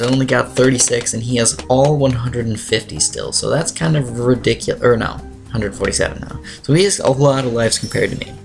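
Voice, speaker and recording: Teen dude with a raspy dry voice, pretty flat delivery, lots of ums, game music going underneath. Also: male voice, lowish voice. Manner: rambling, filler-heavy, throat clearing. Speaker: gaming YouTuber. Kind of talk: casual gameplay commentary.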